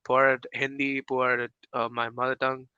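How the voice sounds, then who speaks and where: A man's voice: medium pitch, level tone, moderate pace, pushed and bright, smooth, dry recording, dull audio. A young man from India with an Indian English accent, chatting casually on a podcast, hesitant with many fillers and restarts. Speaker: podcast co-host.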